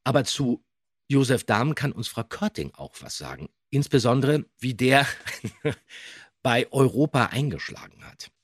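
A man's voice: mid-range voice, lively intonation, moderate pace, breathy edge. A man hosting a podcast, talking conversationally and emphatically about radio drama history. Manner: enthusiastic, emphatic. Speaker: podcast host and voice actor.

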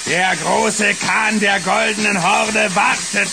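A menacing devil spirit in an audio drama, booming archaic threats. The delivery is very slow and heavily gravelly. Music and hiss run behind the voice. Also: fairly even intonation. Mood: menacing, grandiose. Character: menacing, grandiose dancing devil shaman spirit. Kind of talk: German audio drama acting.

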